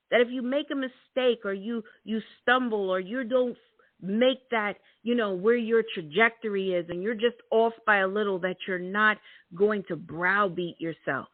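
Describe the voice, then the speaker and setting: A middle-aged woman gives a motivational talk, hammering her key words with repetition. She speaks slowly and deliberately. The sound is dry and narrow, as if over a telephone line. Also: medium pitch, no room sound. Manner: emphatic, repeats key words, laughs often. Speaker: host. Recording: thin phone-like sound.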